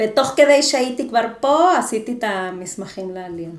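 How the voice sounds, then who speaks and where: A woman with a Spanish accent and lively intonation at a fairly slow pace, amid audible room echo. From Peru. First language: Spanish (speaking Hebrew). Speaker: content project manager. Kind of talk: casual interview. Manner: halting.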